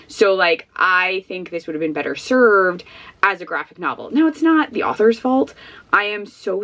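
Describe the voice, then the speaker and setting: Sniffly woman chatting casually at home. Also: fairly low pitch. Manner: chatty, rambling, frank opinions. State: sniffly, losing her voice. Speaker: vlogger. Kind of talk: casual book review chat.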